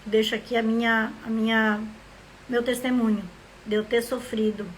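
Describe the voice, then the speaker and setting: A woman's voice: a little high, level tone, normal speed, slight background noise, low-quality recording. A woman from southern Brazil hosting a live stream, greeting viewers by name and drifting into reflective, rambling talk. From Rio Grande do Sul, Brazil. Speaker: live stream host, member of a literary academy.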